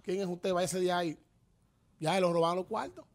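A Dominican man in his thirties talks on a studio panel show in an animated, emphatic way, firing off rhetorical questions. His voice sits a little high, and he speaks into a desk microphone. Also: a little fast. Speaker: radio show co-host. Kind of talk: casual panel commentary. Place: TV-radio studio. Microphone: studio microphone on desk stand.

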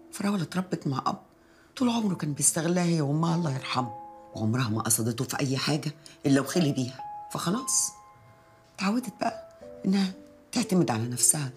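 A worried guardian speaking earnestly in Egyptian Arabic. Her voice sits low and moves quickly. Soft music plays behind her. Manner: earnest, concerned. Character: worried older woman caring for the heroine.

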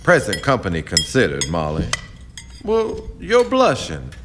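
An actor playing a confident, charming, proud riverboat captain in a radio drama, smooth-talking and self-assured. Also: male voice, low-pitched, huge pitch swings, measured pace, noisy background, heavily acted. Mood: genial, courtly. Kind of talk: stage-like radio drama acting.

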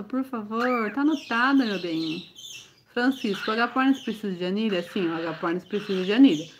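A woman with a Brazilian accent hosting a casual livestream as a bird breeder, answering viewer questions one after another. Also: medium pitch. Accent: Brazilian Portuguese. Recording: slightly dull livestream audio, faint noise.

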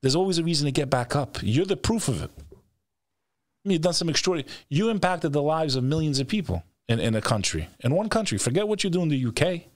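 His pitch sits on the high side and swings widely as he talks quickly, with clean studio sound and no room tone. The middle-aged host gives a profane, emphatic, blunt motivational interview, repeating lines for weight, speaking into a close studio microphone on a stand during a video call from an indoor studio.

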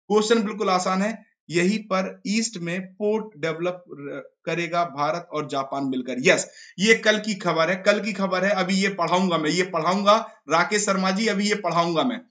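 A hoarse man teaching a live online exam-prep class, quizzing students and repeating each answer. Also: high-pitched, bright, forceful tone. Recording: dull lo-fi stream audio.

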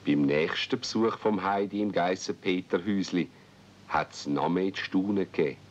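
Male narrator, Swiss German, very low register, radio-play storytelling, slightly muffled vintage 1970s recording. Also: normal speed.

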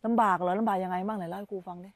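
A woman's voice: mid-range voice, fairly even intonation, rapid-fire, no room sound. A woman meditation teacher giving an informal dharma talk on a live stream, chatty and repeating her phrases as she talks with children around her.

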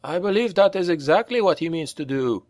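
A man's voice: a little high, lively intonation, a little fast, darkish tone, no room sound, clean studio sound, pitched above the performer's own voice, close to an everyday voice. A man voicing an eager young male cavalry corporal giving a formal report. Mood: urgent.

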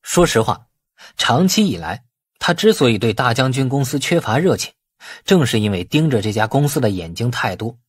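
A man's voice: medium pitch, big pitch swings, moderate pace, breathy edge, no room sound, clean studio sound. A man narrating a novel as an audiobook, telling the story in a dramatic, scripted manner.

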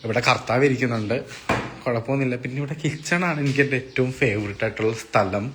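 A man's voice: medium pitch, fast talker, fairly bright tone, a little hiss or hum. A young man chatting casually and teasingly to viewers on a live stream from an apartment, talking into a phone. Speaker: vlogger doing a live stream. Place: apartment indoors.

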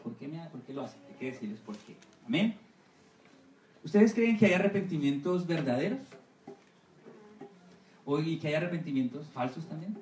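A man's voice: a little high, lively intonation, normal speed, long pauses, darkish tone, slight background noise. Male pastor giving a sunday school sermon, keeps asking the room to agree, echoey hall, a bit far from the mic. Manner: asks the congregation for assent, repeating amen and right. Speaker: missionary pastor. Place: church hall.

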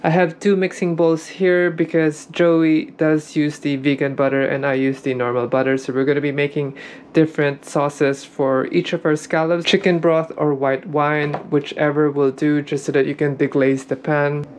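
A woman's voice: low voice, little pitch movement, moderate pace, a little mellow, slight background noise. A woman casually explaining each step as she cooks lunch in her home kitchen for a vlog. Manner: explains steps plainly, step by step. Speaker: vlogger cooking lunch. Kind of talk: casual cooking vlog voice-over.

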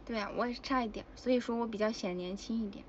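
A woman's voice: a little high, quick pace, lo-fi sound, slight background noise. A woman chatting casually with fans on a livestream, giggly and exclamatory. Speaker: idol livestreamer. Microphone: phone.

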